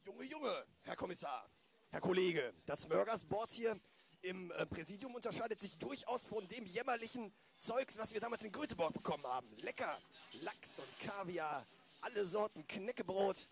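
A man's voice: sits high, animated, moderate pace, gravelly. A man acting an eager, fussy newcomer police detective in an amateur radio play. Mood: chatty, curious.

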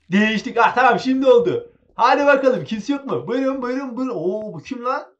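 Excitable gaming commentary, muffled audio. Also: male voice, sits high. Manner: chatty, excitable, talks to viewers and game characters. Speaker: gaming channel host. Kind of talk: casual let's-play commentary.

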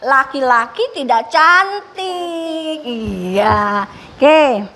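A woman teaching young children with special needs in a radio lesson, speaking slowly with exaggerated enunciation and frequent praise. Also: sits high, animated, sharp tone.

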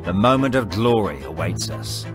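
An actor playing a determined, encouraging cricket team coach in a video game, speaking in emphatic, rehearsed lines. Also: male voice, on the low side, animated, moderate pace, natural voice. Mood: rousing. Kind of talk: scripted motivational speech and press answers. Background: music.

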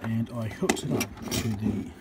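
In a lowish voice at normal speed, a man casually thinks aloud in short fragments while fixing electronics at his workbench. His unscripted commentary stays matter-of-fact, and the hand-held workshop recording is noisy.

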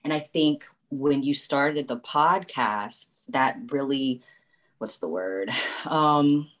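A woman from West Virginia with a strikingly deep, low voice talks on a group podcast call. She chats freely and searches for words aloud as she goes. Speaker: guest director. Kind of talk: casual chat.

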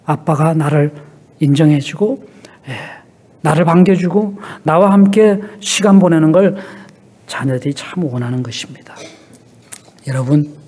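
A middle-aged man preaching a sermon in a church, telling stories and often dropping a soft "yes" between phrases. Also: on the high side, a little slow, husky. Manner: peppers speech with a soft affirming "yes". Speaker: pastor. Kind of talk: sermon with storytelling.

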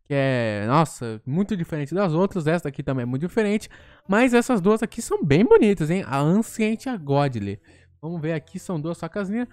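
A man with a Brazilian accent giving live gameplay commentary as a gaming YouTuber, excitable and quick to blurt out interjections. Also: on the high side, dry recording, studio quality.

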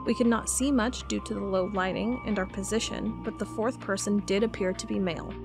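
A woman's voice: mid-range voice, steady tone, fairly quick, creaky, over music, close to an everyday voice. A woman playing an inquisitive FBI cold case agent in an audio drama. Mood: matter-of-fact. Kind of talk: audio drama acting, reading case files aloud.

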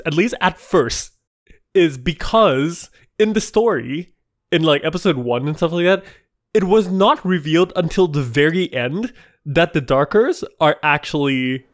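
Lively-voiced male podcast host. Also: a little high. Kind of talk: casual podcast conversation.

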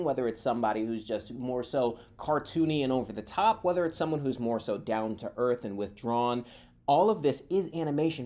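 Young male voice actor as online coach, casual and emphatic, lively swinging pitch. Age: young adult. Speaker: voice actor giving advice. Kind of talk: casual commentary reviewing audio demos. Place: bright room at home.

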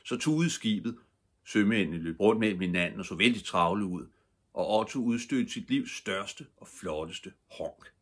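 An older man reading a children's storybook at bedtime. His voice is deep and husky. He narrates calmly and gently. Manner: calm, gentle.

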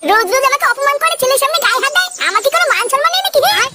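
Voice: extremely high pitch, expressive, racing, sharp tone, exaggerated voice. A voice actor playing an aggrieved young man in a cartoon, complaining indignantly. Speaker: cartoon character.

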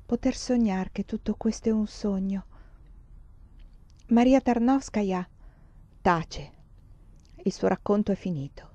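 A woman reading a novel aloud in a theatrical way, rising to loud outbursts and sinking to hushed tones. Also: mid-range voice, no echo, muffled recording. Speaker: audiobook reader. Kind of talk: dramatic audiobook narration.

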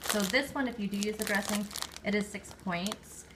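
A woman's voice: mid-range voice, normal speed, very noisy. A woman in her forties casually showing off her groceries at home, listing items and their points and correcting herself as she goes. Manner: chatty, lists items and point values, self-corrects. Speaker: vlogger. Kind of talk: casual grocery haul show-and-tell. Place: home kitchen table. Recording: loud crinkling bags near the mic.

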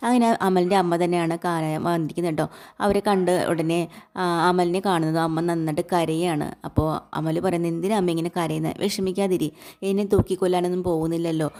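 A woman's voice: sits low, dark tone. A woman, casually retelling a serial story and quoting its dialogue in her own voice. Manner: plain retelling, quotes dialogue in her own voice, frequent filler "kettō". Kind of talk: casual spoken recap of a serial.

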